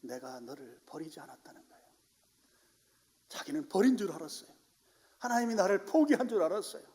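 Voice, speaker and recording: A male pastor preaches a dramatic sermon, swinging from loud exclamations to near-whispers. His voice sits high for a man. Long reverb from the church sanctuary hangs on every phrase. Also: sing-song, brisk.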